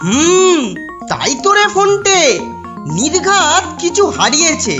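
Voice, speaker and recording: A woman voicing an eager, excitable young schoolboy in a cartoon. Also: extremely high pitch, takes it slowly, music in the background, voice pushed up, heavily acted. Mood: excited. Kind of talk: cartoon voice acting.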